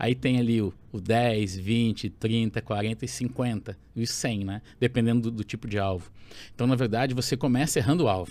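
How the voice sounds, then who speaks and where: A man at a medium pitch, moderate pace and fairly even intonation, in a very clean recording with a silent background. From southern Brazil, Rio Grande do Sul (Porto Alegre, family from Bagé). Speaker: pastor. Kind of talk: podcast interview.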